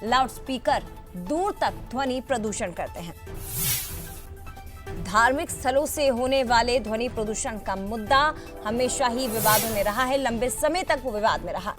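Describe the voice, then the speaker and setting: A woman's voice: fairly high pitch, animated, normal speed, over music. A woman anchoring a TV news debate, putting pointed questions to guests.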